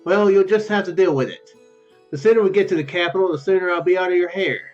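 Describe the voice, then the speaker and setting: A man reads out a grumpy young woman from a fantasy game, scolding and impatient. The voice is raised in pitch and huffy. It comes through a slightly dull mic over music. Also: fast, recorded from a distance, lightly acted.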